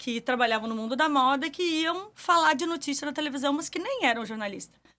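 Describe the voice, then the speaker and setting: A woman speaks at a fairly quick pace in a high, bright, sharp voice, raised and projected, with ordinary pitch variation. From southern Brazil, Porto Alegre. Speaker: TV reporter and journalist. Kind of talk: interview.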